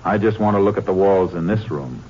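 An American actor playing a tough, terse Texas Ranger in a 1950s western radio drama. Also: male voice, low-pitched, fairly quick, a little mellow, muffled recording, natural voice. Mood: cool menace. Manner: terse, dry, commanding. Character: tough, cool Texas Ranger lawman hero. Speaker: lead actor and narrator. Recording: noisy, band-limited old radio recording.

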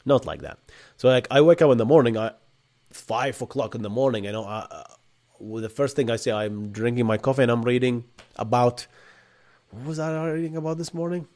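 A man's voice: mid-range voice, fairly quick, a little mellow. A man from Bahrain with an Arabic accent, hosting a live Q&A and answering chat questions in a casual, thinking-aloud way. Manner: casual, thinks aloud with restarts and rhetorical "right?". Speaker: host.

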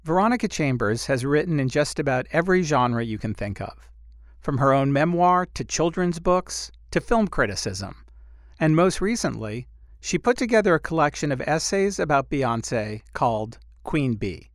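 Lively-voiced male podcast host narrating. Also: a little high, moderate pace, dry recording, clean studio sound. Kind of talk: scripted narration.

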